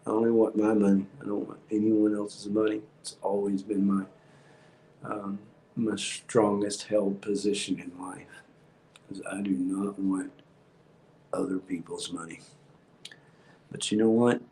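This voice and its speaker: A man, hosting a livestream and rambling in a calm monotone with many ums. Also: fairly low pitch, measured pace, reverberant, slight background noise, low-quality recording. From Texas. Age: 50s. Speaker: house painting business owner hosting a livestream. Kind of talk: rambling casual livestream talk.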